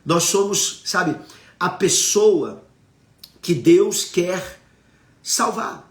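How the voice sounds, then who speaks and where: A Brazilian man preaching on a live stream, his voice sitting a little high for a man. He teaches with emphasis, keeps asking his viewers questions and answers their comments. The sound is roomy and echoey. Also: animated, drawn-out words. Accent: Brazilian Portuguese.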